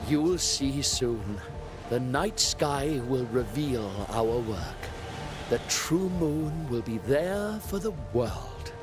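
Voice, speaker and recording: An actor playing a solemn, cryptic moon mystic in a video game, speaking in a portentous, oracular way. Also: male voice, medium pitch.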